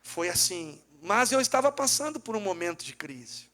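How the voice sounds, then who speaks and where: A man's voice: high voice, big pitch swings, moderate pace, fairly bright tone. A middle-aged man from southern Brazil with a Gaúcho accent, a businessman and pastor giving a fervent spoken testimony at a dinner event and talking straight to his listeners. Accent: Gaúcho Brazilian Portuguese. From Rio Grande do Sul, Brazil. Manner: fervent, acts out dialogue, addresses listeners directly.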